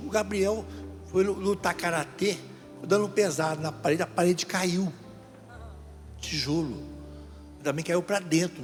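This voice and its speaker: A middle-aged man from Brazil, a deacon preaching a storytelling sermon and putting questions to the crowd. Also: a little high. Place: large event hall. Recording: long hall reverb, faint music.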